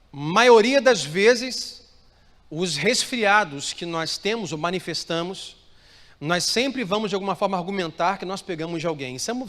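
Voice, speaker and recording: A Brazilian Portuguese-speaking male pastor preaching a sermon to a live congregation, asking them to repeat phrases and answer him. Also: fairly high pitch. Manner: preaching with call-and-response prompts to the congregation. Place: church hall with live congregation. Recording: reverberant church hall, soft music.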